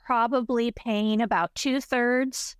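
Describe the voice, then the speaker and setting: A woman's voice: fairly high pitch, fairly even intonation, slow, clear, resonant tone, dry recording. A woman in her forties, a renter, speaking plainly and earnestly about her rent. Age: 40s. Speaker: interviewed renter. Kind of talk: interview testimony.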